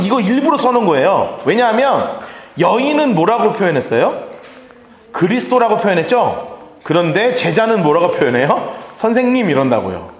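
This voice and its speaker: A male pastor giving a sermon, lively and humorous, acting out voices of the people he describes. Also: high-pitched. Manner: animated, acts out quoted speech; humorous asides to the congregation. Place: church sanctuary. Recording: reverberant church hall.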